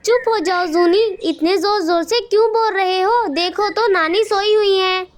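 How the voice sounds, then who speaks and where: A woman's voice: extremely high pitch, unhurried. A woman voicing a practical, fussy mother bird in a cartoon who lectures her son. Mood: scolding. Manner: scolding, lecturing.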